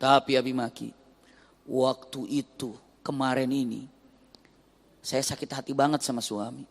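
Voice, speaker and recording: A man's voice: mid-range voice, flat delivery, normal speed, gravelly. A male Islamic preacher giving a sermon, telling a story and acting out the voices of its people. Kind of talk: sermon with acted stories. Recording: long hall reverb.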